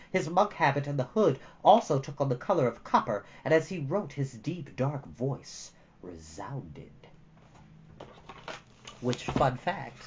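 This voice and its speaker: A man reading a storybook aloud as host, with expressive narration and the odd casual aside. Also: medium pitch, lo-fi sound.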